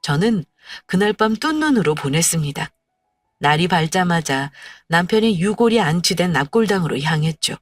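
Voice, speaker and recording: A woman's voice: on the low side, lively intonation, normal speed, no echo. A woman narrating a first-person story in a scripted, confiding and emotional way. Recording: dry, slightly distant, faint music.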